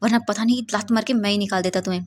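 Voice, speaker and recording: A woman's voice: mid-range voice, fairly even intonation, rapid-fire, close to an everyday voice. Woman reading as an exasperated young male best friend. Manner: pleading, exasperated. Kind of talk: storytelling fan-fiction reading.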